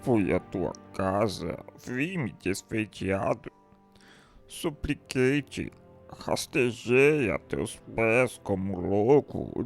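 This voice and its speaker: An actor playing a tormented, remorseful man confessing to murder and suicide in anguished, declamatory radio drama style. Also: on the low side. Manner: anguished, declamatory, drawn-out delivery.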